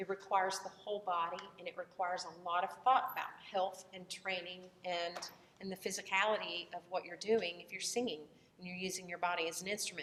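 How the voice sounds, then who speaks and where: A woman with a Southern US accent talks at a fairly quick pace in a medium pitch, her flat, monotone intonation paired with big swings in loudness over noticeable background noise. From US South. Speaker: voice teacher. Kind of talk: lecture.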